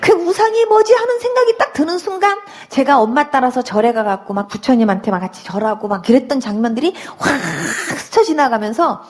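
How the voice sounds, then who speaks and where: A woman giving an emotional religious testimony, telling her story with animated storytelling and acting out her own past words. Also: high-pitched, fairly quick, hardly any pauses. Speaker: church testimony speaker.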